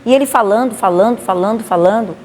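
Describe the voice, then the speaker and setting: A woman pastor with a Bahian accent, giving a lively spoken testimony and acting out the dialogue. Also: mid-range voice, quick pace, faint music behind. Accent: Bahian Portuguese. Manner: animated, acts out dialogue. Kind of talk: testimony storytelling. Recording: long reverb, faint noise.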